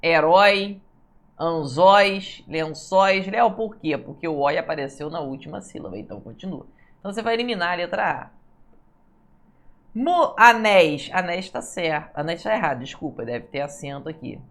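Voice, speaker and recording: A woman, teaching Portuguese for civil service exams and going through answers, often checking in with her students and drawing words out when she stresses a rule. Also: fairly low pitch. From Brazil. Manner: lively, stretches words slowly when stressing a rule, asks "tá, pessoal?". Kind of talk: online exam-prep lesson going through answers.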